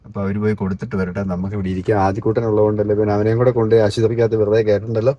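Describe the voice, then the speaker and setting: A woman with a deep bass voice talks at a racing pace with little pitch movement, recorded in lo-fi sound. She's a vlogger and mother filming a casual family vlog from a parked car, chatting away while coaxing a small child along.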